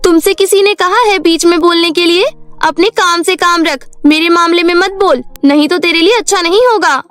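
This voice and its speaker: A woman's voice: very high voice, normal speed, no room sound, soft background music, voice pushed up. A woman doing a spiteful jealous fairy girl. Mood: angry. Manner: sharp, scornful, snapping.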